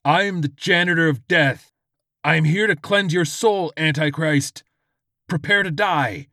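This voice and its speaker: A man's voice: unhurried, pushed and bright, dry recording, studio quality. A man playing an unhinged young janitor turned fanatical holy crusader, frantic and declamatory, in a narrated story. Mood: zealous. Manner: frantic, high-strung, declamatory.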